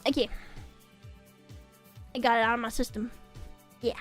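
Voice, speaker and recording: Young woman streamer, high voice, casual rambling chat, soft music underneath. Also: little pitch movement, normal speed. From Norway. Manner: rambling, restarts and repeats words.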